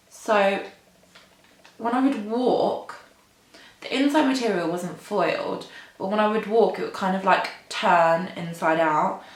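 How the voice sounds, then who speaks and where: A woman in her twenties, a beauty vlogger, rambles casually to camera while doing her makeup at a mirror in an indoor room. Her mid-range voice sounds reverberant, and her chatty get-ready-with-me talk is full of "like," "um," and self-deprecating asides.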